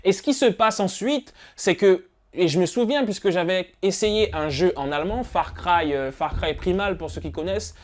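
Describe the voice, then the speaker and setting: A man's voice: high-pitched, normal speed, few pauses. A young man from France giving casual advice straight to his viewers, chatty and full of fillers. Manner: chatty, addresses viewers directly with many fillers. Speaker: motivational YouTuber.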